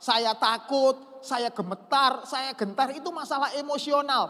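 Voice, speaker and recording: A loud man at a moderate pace. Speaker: preacher. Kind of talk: sermon.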